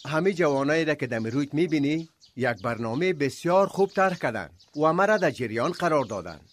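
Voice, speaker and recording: Courteous, higher-voiced village cleric. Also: male voice, lively intonation. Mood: earnest. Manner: formal, courteous, pious. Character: genial village cleric, measured and persuasive. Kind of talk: radio drama dialogue. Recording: faint background noise.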